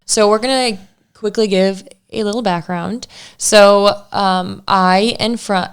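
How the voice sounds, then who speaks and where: A woman's voice: mid-range voice, fairly even intonation, slow pace, smooth. A woman in her twenties with an American Midwestern accent, chatting casually and playfully as a podcast co-host, often jumping in. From Michigan, United States. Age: 20s. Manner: playful, interjecting. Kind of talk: casual relationship podcast chat.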